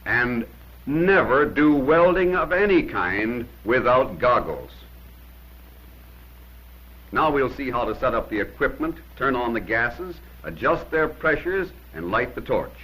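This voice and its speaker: In the manner of a 1950s instructional film, a male narrator gives brief, plain instructions with firm emphasis, unhurried and very animated. His husky, slightly bright voice swings widely in pitch, heard through a low-quality old film soundtrack.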